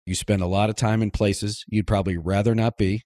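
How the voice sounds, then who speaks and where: Low-voiced male podcast host. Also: steady tone, a little fast, mellow, no room sound, clean studio sound. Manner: chatty, easygoing questions with asides. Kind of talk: conversational interviewing.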